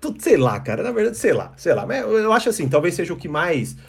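A man teaches an online course to camera, explaining things in loose, restless bursts and often checking in with "né?" and "percebe?". He sometimes acts out short, sneering quotes from other people. His voice sits high and sing-song, fast, creaky, and slightly rough.

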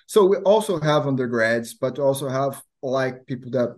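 A man's voice: medium pitch, lively intonation, normal speed, a little mellow. Young guy, lots of ums and restarts, chatty guest on a call. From Brazil. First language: Portuguese. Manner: hesitant, many fillers and restarts. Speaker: guest, language teacher. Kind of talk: casual interview chat.

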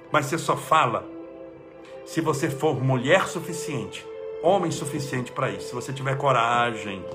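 A man, an energetic spiritual leader giving an emphatic inspirational talk and leading prayer. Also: mid-range voice.

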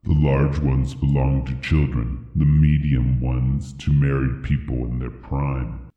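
Man doing a solemn Death spirit, very low, roomy echo, dull lo-fi sound. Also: flat delivery. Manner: slow, grave pronouncements. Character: grim, solemn Death, ancient male spirit.

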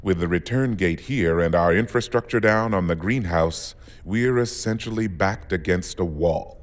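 An actor playing a stern, decisive fleet admiral in a science fiction audio drama, with clipped, formal authority. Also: male voice, sits low, normal speed, natural voice. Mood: grave, resolute. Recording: long echo of a large hall.

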